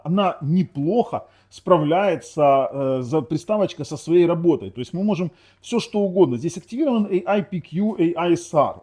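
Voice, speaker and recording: A man's voice: fairly high pitch, mellow, slightly rough. A man whose first language is Ukrainian, casually demoing a TV box in a rambling way, correcting himself often and dropping sarcastic asides. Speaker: tech reviewer. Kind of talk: casual product demo talk.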